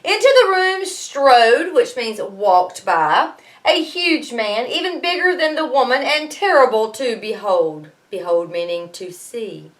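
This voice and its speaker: A woman teacher reading a storybook aloud to students in an expressive way, pausing to explain things. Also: a little high.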